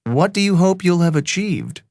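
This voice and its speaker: A man briskly reading out grammar example sentences. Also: high voice, lively intonation, darkish tone, no echo, studio quality.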